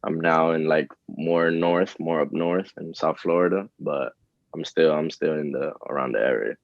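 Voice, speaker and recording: Very deep-voiced young man, relaxed. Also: normal speed, vocal fry, dry recording. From Dominican Republic. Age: 20s. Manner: relaxed, hesitant, many fillers and restarts. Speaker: rapper, interview guest. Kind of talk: casual interview answers. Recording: dull, lo-fi, dry sound.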